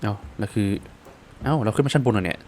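A man doing casual let's-play commentary, excitable and exclaiming at the action. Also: fairly low pitch, fast, slight background noise. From Thailand. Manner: excitable, exclaims and swears at the game. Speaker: gaming streamer.

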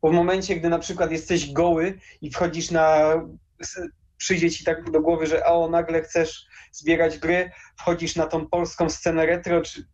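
Young male interview guest, enthusiastic and informal, slightly high voice, lo-fi call audio. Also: little pitch movement, normal speed, darkish tone. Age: young adult. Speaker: interview guest, game collector. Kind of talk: casual interview chat. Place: small room lined with game shelves. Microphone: headset on a video call. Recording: dull lo-fi video call audio.

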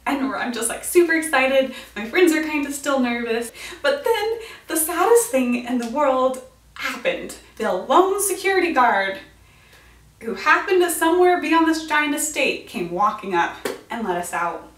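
This twenty-something American vlogger has a high, sing-song, fairly bright voice and speaks at a moderate pace. Chatting to camera from a small, bright room with a bookshelf, she retells a story dramatically, quoting people's reactions. The mic sits far off, so the sound echoes around the room.

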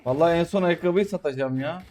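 A man commentating his own mobile game match, griping about his teammates with sudden excited outbursts. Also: on the high side, fast talker. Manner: exasperated, complaining about teammates. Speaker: gamer streamer. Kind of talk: live gameplay commentary.

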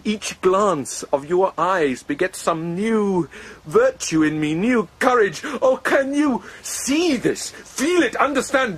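A man's voice: high voice, a bit bright, breathy edge, full character voice. An actor playing an eloquent lovesick poet-swordsman, ardent and sardonic, in lyrical, declamatory verse for a classical radio drama.

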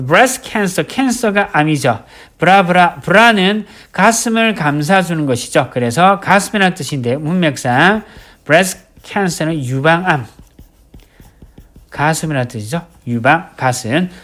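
Korean vocab teacher, lively pitch. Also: male voice. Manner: drills words by slow repetition, writes as he explains. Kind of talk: recorded vocabulary lecture.

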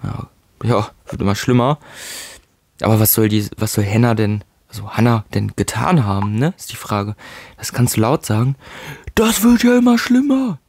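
A man's voice: lowish voice, normal speed, vocal fry, darkish tone, no room sound, clean studio sound. Chatty man commenting on a game. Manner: chatty, reads in-game texts aloud with jokey asides. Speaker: let's play host. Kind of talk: casual gameplay commentary.

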